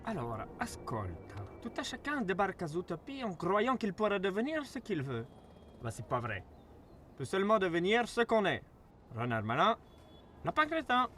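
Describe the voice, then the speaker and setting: A man's voice: high-pitched, huge pitch swings, a little fast, fairly bright tone, faint music behind, heavily acted. A man voicing a sly, mocking fox street hustler in a cartoon dub, smug and theatrical, with an Italian accent. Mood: condescending.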